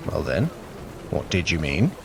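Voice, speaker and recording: A man's voice: extremely low pitch, sing-song, a little slow, a bit bright, heavily acted. A man playing a sly, impatient male trickster god in an audio adventure, giving clipped commands and sardonic remarks. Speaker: workout guide in audio adventure. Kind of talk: scripted audio drama with exercise cues. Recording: clear outdoor city ambience noise. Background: outdoor street sounds.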